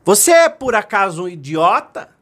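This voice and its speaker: A man voicing a small boy who shouts in a raised, strained voice. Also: high voice, very animated, normal speed, voice pushed up, full character voice. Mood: angry. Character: small boy, hurt then angry.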